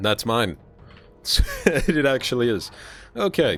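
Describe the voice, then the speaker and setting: A man's voice with music playing in the background. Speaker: gaming commentator. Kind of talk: casual gameplay commentary.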